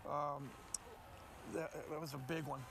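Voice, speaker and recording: A man's voice: on the high side, flat delivery, measured pace, creaky, fairly bright tone. An older American man, a play-by-play announcer, talking sports as a co-host and repeating words for emphasis. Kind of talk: sports commentary chat. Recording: faint ambient background noise.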